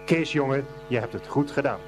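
An actor playing a kindly, pious Catholic brother and headmaster in a radio play, patient and preachy. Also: male voice, medium pitch, fairly quick, noisy background, natural voice. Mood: kindly encouraging.

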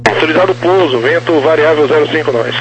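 A man's voice: fairly high pitch, quick pace. A man working as an air traffic controller, talking over a two-way radio in clipped, formulaic phrases. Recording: noisy radio transmission heard from afar.

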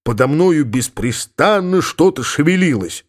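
A man reading an audiobook who voices a gruff, suspicious middle-aged Cossack father, grumbling and exclaiming as he talks to himself. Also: a little high, expressive, unhurried. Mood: mocking.

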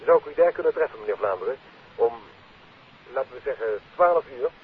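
A Dutch actor playing a secretive, earnest telephone caller in a 1950s radio play. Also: male voice, mid-range voice, lively intonation, fairly quick. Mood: guarded, urgent. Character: secretive, earnest male caller arranging a meeting. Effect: telephone filter. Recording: tinny phone line, hissy 1950s radio.

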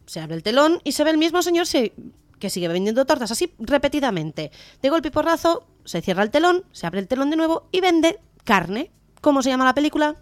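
A woman's voice: high-pitched, very animated, fairly quick, no echo. A woman co-hosting a radio comedy show, chatty and telling jokes with frequent laughs.

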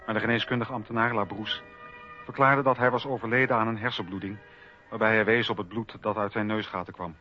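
A man narrating a scripted radio documentary in a measured, formal storytelling manner on a lo-fi recording. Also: fairly low pitch, fairly even intonation, soft background music.

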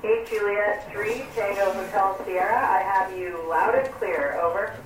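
A woman's voice: medium pitch, unhurried. A woman astronaut patiently answering children's questions over a ham radio link with static bursts. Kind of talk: plain explaining for children. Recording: distant echoey radio with noise.

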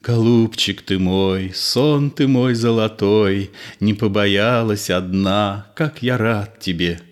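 A man voicing a soft-spoken, soothing older gentleman. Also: fairly low pitch, expressive, unhurried. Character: middle-aged man, gentle and soothing, nervous. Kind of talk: reading a play aloud.

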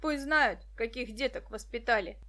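A woman's voice: on the high side, expressive, moderate pace, pushed and bright. A woman reading an audiobook, voicing a bossy male police officer who mocks the children. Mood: mocking. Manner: mocking, bossy.

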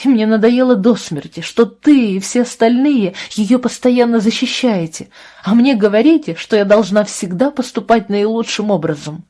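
A woman's voice: fairly high pitch, big pitch swings, moderate pace, dark tone, husky, pitched above the performer's own voice. A woman reading an audiobook, voicing an upset, defiant teenage girl in raised, indignant outbursts.

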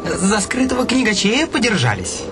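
High-pitched, puny young recruit. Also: male voice, huge pitch swings, moderate pace, exaggerated voice. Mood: servile, unsure. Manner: servile, clipped military replies. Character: puny, pimply, unsure young stormtrooper recruit. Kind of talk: radio drama acting. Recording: music behind the voice. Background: music.

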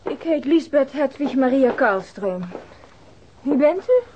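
An actress playing a pert, unabashed young university student in a radio drama, prim and cheeky. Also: female voice, high voice, lively intonation, a little slow. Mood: pert, indignant. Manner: prim, cheeky, matter-of-fact. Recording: muffled, noisy old radio drama recording.

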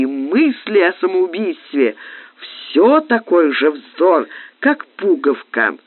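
A man narrating a literary audiobook with expressive, theatrical phrasing. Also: on the high side. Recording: tinny phone-like lo-fi recording.

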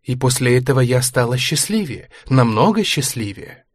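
A man reading a book aloud, voicing an aging former ballerina who is anxious, proud and sharp-tongued, in a higher, tense voice. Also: sing-song, moderate pace, no echo, studio quality. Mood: wistful. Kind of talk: audiobook character reading.

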